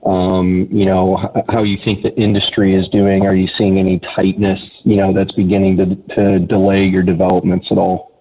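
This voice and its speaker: A man calling in as an analyst to an earnings call, asking questions in a halting way with stammered restarts. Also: deep voice, completely flat delivery. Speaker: analyst caller. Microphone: phone. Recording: tinny phone line with faint noise.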